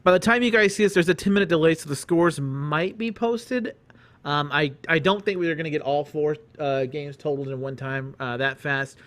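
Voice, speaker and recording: A man's voice: on the high side, fairly quick, fairly bright tone. A man hosting an esports stream, reading results and chatting in a rambling, joking way with many restarts. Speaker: esports caster. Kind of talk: casual esports commentary.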